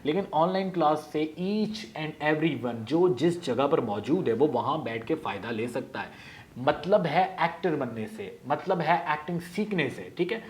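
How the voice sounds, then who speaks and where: A man with a Pakistani Urdu accent, an acting teacher talking casually and quickly to camera, mixing in English words. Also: a little high, lively intonation. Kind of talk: casual promotional talk to camera.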